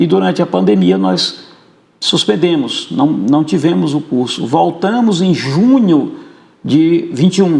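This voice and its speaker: At a fairly slow pace, a man with a fairly high voice for a man speaks with very wide pitch swings. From Brazil, Bahia, raised in Amazonas. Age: 60s. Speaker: pastor and missionary. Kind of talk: exhortation; interview testimony.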